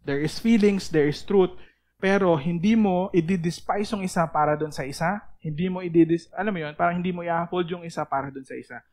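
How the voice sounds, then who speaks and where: A man's voice: high-pitched, brisk, darkish tone. A young man preaching to a youth group in a playful, joking way, often laughing and acting out little self-talk scenes. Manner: playful and joking, laughing often, talking to himself in mock dialogue. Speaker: youth speaker.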